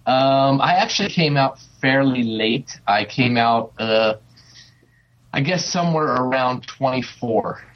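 A man's voice: medium pitch, a little slow, lo-fi sound. A man in his forties, a guest chatting casually and hesitantly, with many fillers. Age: 40s. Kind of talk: casual interview chat.

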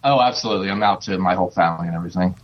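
Forty-something man, lo-fi and low-pitched. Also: very fast. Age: 40s. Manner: chatty, hesitant with many fillers. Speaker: guest. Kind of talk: casual interview chat.

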